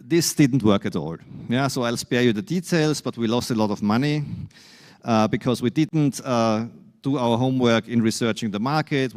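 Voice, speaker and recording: A man from Austria with an Austrian accent giving a conference keynote, halting with many fillers and restarts, and wry self-deprecating humor. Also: mid-range voice, a little mellow. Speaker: keynote speaker.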